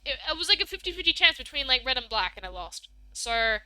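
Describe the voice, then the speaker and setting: A bubbly young Australian woman chats on a live stream, high-pitched and very bright in tone. Her voice leaps up and down constantly as she giggles and rambles with lots of fillers. The sound is close and dry. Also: big pitch swings, fast, dry recording. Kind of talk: casual live-stream chat, reading chat messages.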